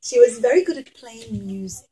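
A woman's voice: a little high, expressive, moderate pace, dark tone, breathy edge. A woman in her thirties telling a story to young children in simple, repeated phrases with questions to listeners. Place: small classroom, indoors. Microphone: camera a short distance away.

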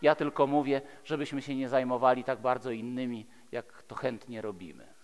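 A man's voice: medium pitch, fairly even intonation, moderate pace. A man in his fifties from Poland preaching a sermon in an emphatic, rhetorical manner with repeated phrases. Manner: emphatic, rhetorical, with repeated phrases and dramatic swings between loud and hushed. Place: large church hall, speaking from a pulpit. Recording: echoey hall with long reverb.

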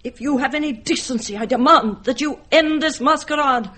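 A woman's voice: sits high, normal speed. An actress playing a haughty aristocratic grandmother. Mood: imperious. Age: older. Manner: haughty and commanding, softening into tearful tenderness. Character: proud elderly grandmother, an aristocratic dowager. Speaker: actor in a drama. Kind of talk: stage or radio drama acting.

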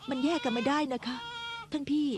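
A woman voicing a gentle first wife who soothes and pleads with her husband, in a dubbed period drama. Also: high voice, fairly even intonation, brisk, heavy background noise, natural voice. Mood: pleading.

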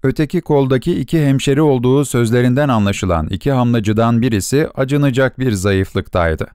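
A man narrating a short story for an audiobook in a measured storytelling delivery. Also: mid-range voice, a little mellow, clear, resonant tone, no echo, studio quality. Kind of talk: scripted narration.

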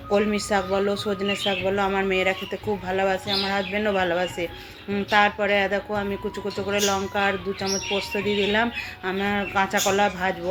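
Middle aged lady w west bengal accent doing a chatty home vlog voiceover, pretty flat pitch, music behind. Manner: chatty, addresses viewers directly as friends. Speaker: homemaker and vlogger. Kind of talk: casual vlog voice-over narrating cooking and household routine.

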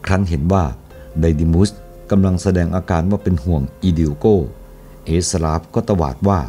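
A man reading a historical novel aloud as an audiobook narrator, in a steady, even storytelling manner. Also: low-pitched, normal speed, faint music behind.

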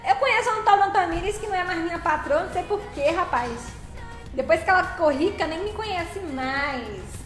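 A woman with a high voice chats casually on a live stream. She teases her viewers and thanks them by name, sometimes slipping into a sung phrase. The room is echoey, with faint music underneath. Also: moderate pace.

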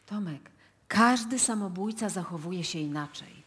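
An actress playing a pragmatic, pressured female police chief in a radio drama, firm and measured. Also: mid-range voice, lively intonation, a bit bright, breathy edge. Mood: firm, weary. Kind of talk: live radio drama acting.

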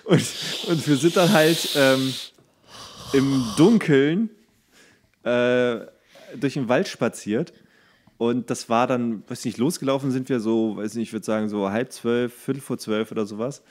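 A man co-hosting a podcast, telling anecdotes in casual, colloquial, halting speech. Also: medium pitch. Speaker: podcast co-host.

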